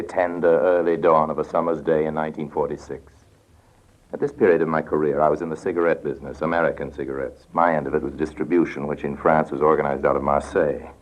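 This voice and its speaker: A wry, confiding con-man narrator, bottomless low voice, old radio feel with light hiss. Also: muffled recording. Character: suave cynical male con-man smuggler narrating. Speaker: narrator and lead character. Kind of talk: 1950s radio drama acting.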